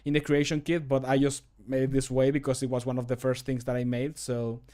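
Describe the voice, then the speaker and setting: A man's voice: medium pitch, level tone, a little fast, dark tone. A middle-aged man chatting casually and self-deprecatingly as he streams from a small room at home, close on the microphone. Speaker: streamer recording voice lines for a game mod. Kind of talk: casual livestream commentary.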